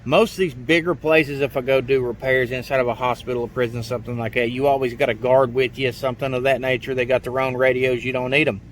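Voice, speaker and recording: A man with a medium-pitched voice talks through a product review. He is plain-spoken and folksy, explaining things in a loose, rambling way like a handyman showing off gear. There is faint but noticeable noise behind his voice. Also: level tone, fast, hardly any pauses, poor audio. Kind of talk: casual hands-on product review.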